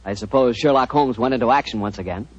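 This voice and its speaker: A man reading as a radio announcer on a 1940s show, smooth and persuasive. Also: medium pitch, fast. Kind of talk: scripted commercial read. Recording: dry muffled old radio broadcast.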